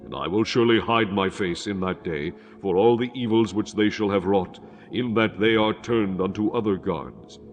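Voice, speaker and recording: Low-voiced man narrating scripture solemnly. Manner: formal, measured. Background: music.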